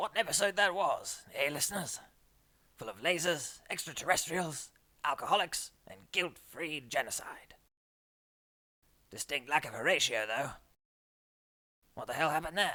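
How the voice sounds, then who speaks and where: Putting on a character voice, a man speaks high with lively intonation and long, frequent pauses. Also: moderate pace. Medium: audio drama. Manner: pompous, theatrical.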